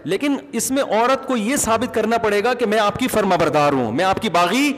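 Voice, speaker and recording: A man giving a Friday sermon in a conversational, emphatic preaching manner, with lively asides to the congregation. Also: high voice, big-room sound.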